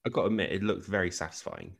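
A man's voice: sits low, steady tone, very fast, vocal fry. A man co-hosting a podcast, chiming in with dry teasing remarks. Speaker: podcast co-host. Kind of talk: casual chat.

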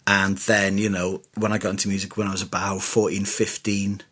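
A man's voice: sits low, flat delivery, fairly quick, a bit bright, slightly rough. A middle-aged Welshman, a radio presenter with Welsh as his first language, chatting in an interview in a self-deprecating way and laughing often. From Wales. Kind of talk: casual interview chat.

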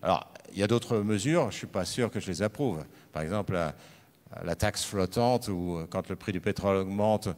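A man with a very low voice speaks on a conference panel. He often stops and restarts his sentences. A long hall reverb trails his words. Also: moderate pace, a little mellow.

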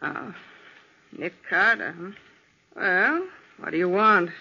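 A woman's voice: on the low side, lively intonation, slow pace, vocal fry, pushed and bright, husky, full character voice. An actress playing a cynical, curt female swindler in a 1940s radio crime drama, talking in scornful slang. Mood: guarded. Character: hard-boiled, cynical female ex-swindler turned shoplifter. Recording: dull lo-fi 1940s radio recording.

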